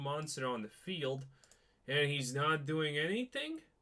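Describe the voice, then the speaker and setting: This man's voice has a fairly high pitch and a bright, sharp tone. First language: not English. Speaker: gaming streamer. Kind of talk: gameplay commentary. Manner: halting; casual.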